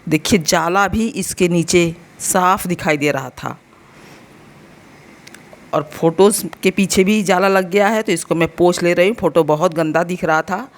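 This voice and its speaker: In a casual home vlog, a woman in her thirties from India chats with her viewers, speaking directly to them and explaining as she goes. She has an Uttar Pradesh Hindi accent, a slightly sore throat, and a lowish voice at a measured pace.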